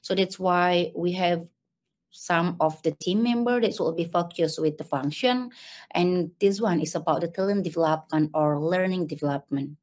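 A woman's voice: on the low side, a little mellow. A young woman gives an online conference talk over a webcam, speaking hesitantly with many restarts. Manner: hesitant, with frequent restarts and repeated words. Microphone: webcam on a video call.

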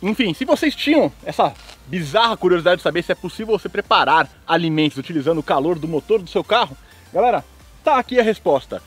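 A man's voice: high voice, very animated, fast talker, breathy edge, faint music behind. A young Brazilian man hosting a casual outdoor vlog, chatting informally to the camera and his friends. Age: young adult. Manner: informal, slangy. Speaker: video host. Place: outdoors by a car on open dirt ground.

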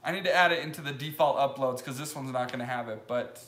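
A man's voice: mid-range voice, fast talker, a bit bright, slight background noise. A young man live-streaming from his leather workshop, chatting casually in a loose, rambling way with lots of fillers. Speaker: live-streaming maker vlogger. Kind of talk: casual live stream chat, reading comments. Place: wooden-walled leather workshop, indoors. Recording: roomy workshop echo.

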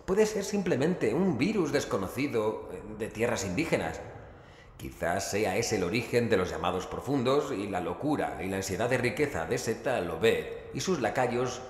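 Actor as low-voiced horror investigator. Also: male voice, lively intonation, moderate pace, slight background noise, natural voice. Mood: skeptical. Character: male investigator narrating a horror tale, skeptical. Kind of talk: dramatic audio-fiction narration and dialogue.

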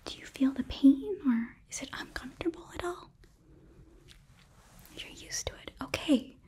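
A young woman playing a sweet, earnest hotel hostess from Hell in a whispered ASMR roleplay, gently coaxing and a little hesitant, close to the microphone. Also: high voice, lively intonation, moderate pace. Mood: gentle, attentive. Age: young adult. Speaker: ASMR performer.

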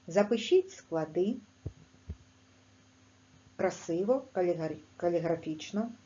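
A woman teaching young children a language lesson, speaking clearly in a sing-song teacher manner with a Ukrainian accent. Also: muffled recording. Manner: slow, clear, sing-song teacher talk with lively pitch. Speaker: primary school teacher.

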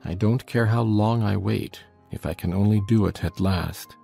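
A man voicing a brooding, vengeful, sullen youth with a grave, husky, gravelly delivery in a dramatized story. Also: fairly low pitch, mellow, soft background music, exaggerated voice. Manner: grave, slow, deliberate.

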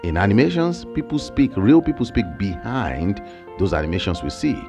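Recorded close on a big boom studio mic, this online income creator, a man in his thirties with a Nigerian accent, pitches online work ideas with animated, emphatic energy and hand gestures. He has a lowish voice and moderate pace, with music playing behind him in his small indoor home studio full of shelves and plants.

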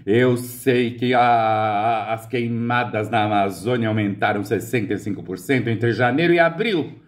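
A Brazilian man giving satirical political commentary, campy and mocking, swinging between high squeals and low mutters. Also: normal speed. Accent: Brazilian Portuguese.

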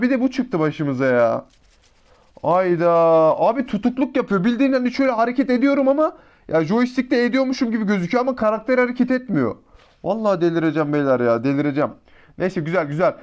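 A man giving excitable, slangy live commentary over a mobile shooter match, talking to his teammates and to his viewers. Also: sits high, highs cut off. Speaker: mobile shooter gameplay YouTuber.

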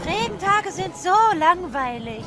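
A woman voicing an excitable anime schoolgirl in a parody fan dub. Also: very high-pitched, a little slow, very noisy. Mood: chatty. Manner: excitable, exclamatory. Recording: loud music under the voice.

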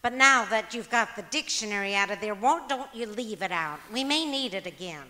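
A woman's voice: medium pitch, lively intonation, moderate pace, sharp tone, slight background noise. A woman playing a long-suffering, firm wife in an old-time radio comedy, dry and exasperated. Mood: brisk. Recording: echoey auditorium stage with long reverb.

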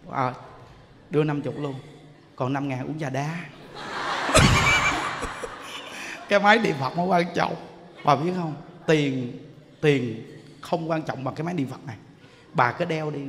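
Lively high-voiced monk preaching in a reverberant hall. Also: male voice, unhurried, pauses often, slight background noise. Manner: animated storytelling, acts out people he quotes. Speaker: Buddhist monk. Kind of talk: sermon. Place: temple hall. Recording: long hall reverb, faint ambience.

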